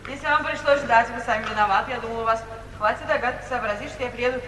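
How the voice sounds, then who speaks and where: A woman's voice: fairly high pitch, fast, close to an everyday voice. An actress playing a domineering, vulgar middle-aged mother in a radio play, with brusque familiarity. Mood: brisk, bossy. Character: loud, bossy, vulgar mother of about forty-five. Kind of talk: 1950s Soviet radio theatre acting. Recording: old noisy radio recording, distant and echoey.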